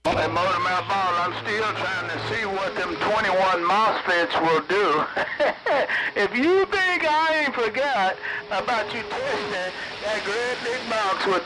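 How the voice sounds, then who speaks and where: A man's voice: sits high, poor audio. A man chatting over CB radio in a laid-back, slangy way. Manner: laid-back and slangy, laughing between calls. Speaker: CB radio operator. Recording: CB radio buried in loud static.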